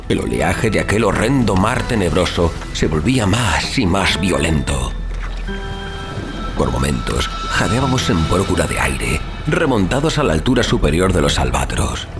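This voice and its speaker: A man with a low voice narrates a gothic horror tale. His delivery is solemn and suspenseful, with highly varied intonation, and music plays clearly underneath. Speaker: storyteller, audiobook narrator. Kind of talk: dramatic scripted horror narration.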